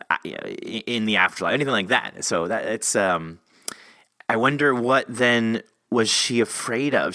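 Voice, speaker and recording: A man's voice: on the low side, sharp tone, no echo. A man hosting a podcast in casual interview chat, rambling and thinking aloud as he goes. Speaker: podcast host.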